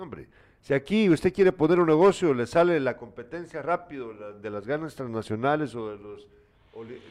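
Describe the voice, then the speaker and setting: Opinionated man co-hosting news. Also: mid-range voice. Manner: opinionated, exasperated, scolding asides. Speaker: news show co-host. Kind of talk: casual commentary reading viewer messages.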